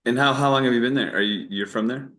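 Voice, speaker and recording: A man's voice: medium pitch, fast, a bit bright. A man from Virginia with an American accent, chatting informally as an interview guest, meandering with false starts. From Virginia, United States. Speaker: interview guest, documentary filmmaker. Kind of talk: casual chat.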